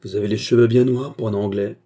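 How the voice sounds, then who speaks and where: A man's voice: lowish voice, fairly even intonation, fast, warm tone, husky. A man voicing a white-haired old former hussar who questions firmly and earnestly, in a storybook reading. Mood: probing.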